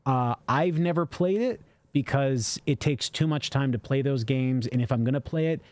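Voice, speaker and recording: A man's voice: mid-range voice, normal speed, a little mellow, no room sound. Rambling man reading viewer questions. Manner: rambling, reads super chats aloud with fillers. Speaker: co-host answering viewer questions. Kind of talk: casual livestream chat. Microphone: studio microphone.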